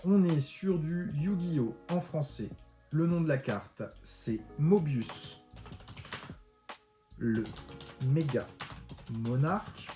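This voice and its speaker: A fairly high-voiced man guides the viewer step by step through an online tutorial in a chatty, informal way. His voice rings in a roomy space, with faint music playing underneath. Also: darkish tone. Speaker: card-collecting tutorial host. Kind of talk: screen-recorded tutorial walkthrough.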